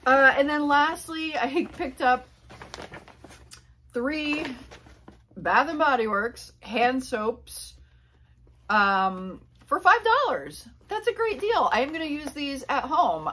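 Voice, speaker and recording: This reseller vlogger, a Pennsylvania woman in her forties, has a high, pushed and bright voice. She rambles casually to camera about her flea market finds, with lots of fillers and asides, in a small indoor room. The recording comes from a camera on a tripod a few feet away.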